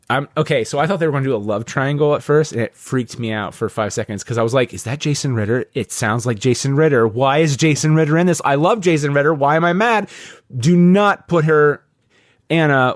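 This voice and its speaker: A man's voice: mid-range voice, no room sound, clean studio sound. A man hosting a podcast, chatting casually in a rambling way, full of "like" and the odd swear word. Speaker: podcast host.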